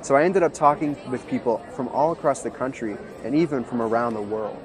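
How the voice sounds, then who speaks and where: A man's voice: mid-range voice, fairly quick, crowd noise. A man narrating a scripted report about a faith-based justice conference. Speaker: video host and interviewer.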